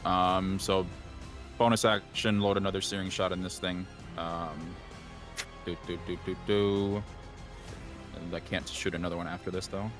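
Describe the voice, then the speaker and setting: A man's voice: low-pitched, little pitch movement, normal speed, over music. A man playing a tabletop game, thinking his moves through aloud with lots of hesitant ums. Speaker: player.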